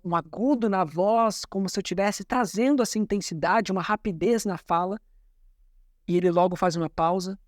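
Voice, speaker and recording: Communication coach, didactic video commentary, mid pitch, dry sound. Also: no echo. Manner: didactic, methodical, repeats key terms. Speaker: communication coach analyzing a talk.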